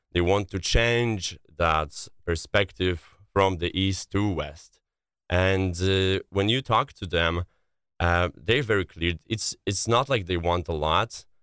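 A man with a very deep, low pitch and a Polish accent, very slow pace, ordinary pitch variation, in a very clean recording with a silent background. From Poland. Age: 30s. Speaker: humanitarian volunteer and tax attorney. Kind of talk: interview. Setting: studio.

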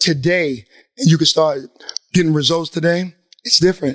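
A man speaks in a high voice with fairly even intonation, recorded with a dry, close sound and no echo. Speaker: land investor and educator. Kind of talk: podcast interview.

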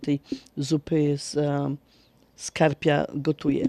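Against a quiet background, a woman with a Silesian accent speaks at a very slow pace in a dark, mellow tone, the sound dry and close with no echo. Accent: Silesian Polish. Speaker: radio host. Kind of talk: radio show presenting.

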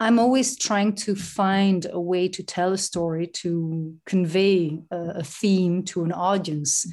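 A woman speaks in a normal speaking voice at a medium pitch, her intonation fairly even. The recording is very clean, with a silent background. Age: 40s. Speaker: choreographer. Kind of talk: casual chat.

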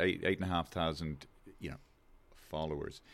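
A man with a Dublin accent talks at a moderate pace on a very clean recording against a silent background. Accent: Irish (Dublin). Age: 50s. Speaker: comedian. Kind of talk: casual chat. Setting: studio.

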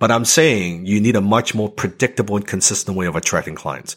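The speaker has an unremarkable speaking voice. The pace is fairly quick, and the pitch varies in the ordinary way. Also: man. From Hong Kong, moved to Canada at 14. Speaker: business consultant. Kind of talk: interview.

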